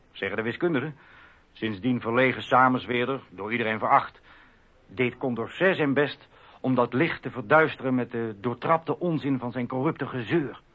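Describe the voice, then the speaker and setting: An actor playing a contemptuous revolutionary orator in a radio drama, declaiming against intellectuals. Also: male voice, medium pitch, husky. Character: scornful male revolutionary orator denouncing intellectuals. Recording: dull lo-fi radio recording.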